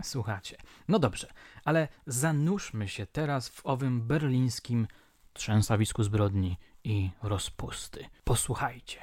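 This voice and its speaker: A man of middle pitch hosts a true-crime podcast in scripted, storytelling narration. He reads old newspaper reports with relish and keeps turning to his listeners with rhetorical questions. The sound is close and dry, with no room around it. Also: a little mellow, no echo. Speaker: podcast host.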